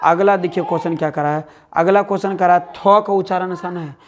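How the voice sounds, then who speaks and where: High-voiced Bihari man drilling a class. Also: steady tone, brisk, slight background noise. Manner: drills answers, repeating words and asking the class; calls students "dear". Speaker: teacher. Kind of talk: online exam-prep lesson.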